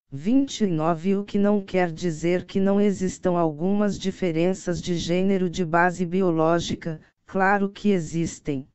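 A narrator reading a nonfiction book aloud in a steady, even way. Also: medium pitch, smooth, no room sound. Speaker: audiobook reader.

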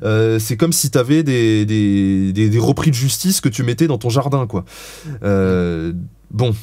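A man's voice: fairly low pitch, expressive, unhurried, dark tone, no room sound. A man giving dog-training advice as an interview guest, explaining in a frank, blunt way with casual swearing.

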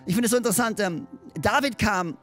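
Animated preacher, high-pitched man. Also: fast, soft background music. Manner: animated storytelling, often asks the listeners "okay?". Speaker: pastor. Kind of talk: sermon.

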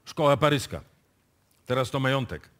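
An actor playing a methodical, probing police inspector in a live radio play. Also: male voice, medium pitch, animated, fairly bright tone, natural voice. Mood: businesslike. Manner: deliberate, probing.

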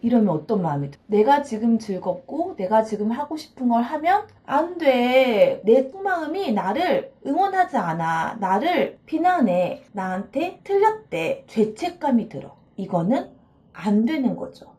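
A woman counseling psychologist giving a playful, expressive video lecture, acting out little dialogues as she explains. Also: on the high side, moderate pace. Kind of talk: video lecture on self-esteem.

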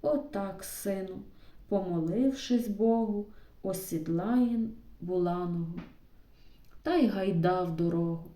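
A woman voicing an old Cossack father who gives slow, world-weary advice to his son in an audiobook reading. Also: mid-range voice, mellow, reverberant, recorded from a distance, lightly acted. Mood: advising.

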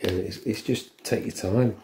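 A middle-aged man giving a casual hands-on tutorial, halting and thinking aloud as he works in a room at home. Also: on the low side, steady tone, noisy background. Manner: halting, unscripted, thinking aloud while working. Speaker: vlogger demonstrating a helmet intercom fitting.

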